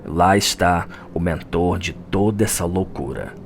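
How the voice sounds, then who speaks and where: A man's voice: low-pitched, a little slow, vocal fry, slight background noise. A man with a Brazilian accent, giving dramatic scripted narration of a fantasy game story. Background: music.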